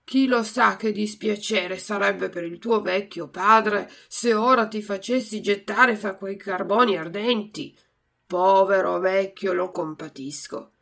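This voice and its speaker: A woman doing a gruff, loud puppet master. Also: mid-range voice, measured pace. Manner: loud, barking commands. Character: gruff bearded male puppet master, stern but soft-hearted.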